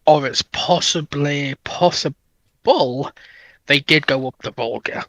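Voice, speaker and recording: Bright-voiced, precise man, dry sound. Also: on the high side, slow, gravelly, no echo. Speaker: panelist. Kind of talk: casual history discussion.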